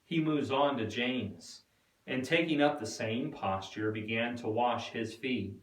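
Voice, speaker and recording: A man giving a dramatic scripted narration with deliberate, expressive storytelling. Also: medium pitch. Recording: echoey room, distant mic.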